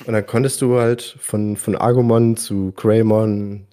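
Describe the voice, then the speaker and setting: A man with a lowish, mellow voice speaks unhurriedly and with little pitch movement. As a podcast guest presenting his favourite games, he chats casually and informally about video games, using youthful slang.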